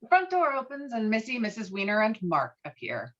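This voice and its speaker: A woman's voice: a little high, wildly swooping pitch, brisk, fairly bright tone. A woman narrating the stage directions of a script. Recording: dull lo-fi call audio.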